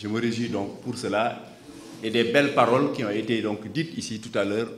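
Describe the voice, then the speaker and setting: Audible room echo surrounds a man speaking at a moderate pace, his medium pitch showing ordinary variation. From Senegal, Podor department. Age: 60s. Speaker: agricultural agency director. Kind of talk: ceremony speech. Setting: public ceremony with audience. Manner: formal.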